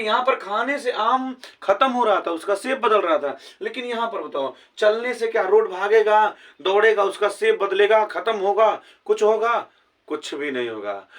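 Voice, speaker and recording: A man's voice: high voice, fairly bright tone, recorded from a distance. A male English teacher giving a grammar lesson with a Hindi accent, explaining step by step and often asking his students whether they have understood. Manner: asks many rhetorical questions to check understanding.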